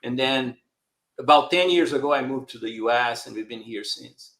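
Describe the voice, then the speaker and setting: A Brazilian telecom marketing director, a native Portuguese speaker with a Brazilian accent, answers interview questions in a conversational, hesitant way and often adds tags to his phrases. His mid-range voice moves at normal speed with a fairly bright tone, and the room sounds echoey.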